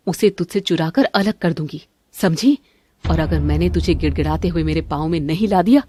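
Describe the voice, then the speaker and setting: A woman voicing a greedy, scheming middle-aged mother-in-law in an animated family cartoon, bossy and grumbling. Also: deep voice, a little hiss or hum, natural voice.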